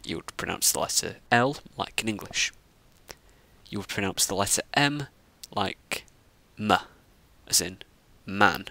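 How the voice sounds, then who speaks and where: A man teaching the Latin alphabet, explaining each letter slowly and carefully. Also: on the low side, lively intonation, gravelly, pushed and bright, dry recording. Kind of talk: scripted lesson narration.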